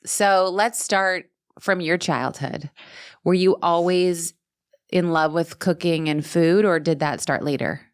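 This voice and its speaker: Woman host, low voice, quick reactions, asks stuff casually. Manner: short encouraging reactions and questions. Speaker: podcast host. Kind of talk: casual interview chat.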